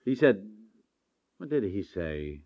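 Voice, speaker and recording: An actor in a 1950s radio comedy playing a naive, easily exasperated husband who stammers and repeats himself. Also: male voice, on the low side, big pitch swings, slow pace, darkish tone, full character voice. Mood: defensive. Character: flustered, easily exasperated husband, naive new property owner. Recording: dull 1950s radio recording.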